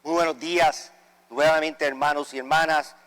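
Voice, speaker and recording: A man serving as priest, reading the Gospel at Mass in a measured, solemn way. His voice carries a cathedral echo. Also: fairly high pitch, fairly even intonation, fairly bright tone. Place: large church. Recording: cathedral echo with long reverb.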